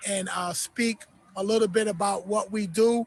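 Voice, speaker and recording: In a New York accent, a man with a high pitch speaks at a fairly slow pace with monotone, flat intonation. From Brooklyn, New York. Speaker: nonprofit president. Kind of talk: interview.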